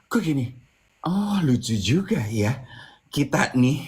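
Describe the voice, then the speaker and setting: Animated storytelling man, lively pitch. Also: takes it slowly. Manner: animated storytelling, acting out quoted voices; mixes English phrases into his talk. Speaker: co-host. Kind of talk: casual chat.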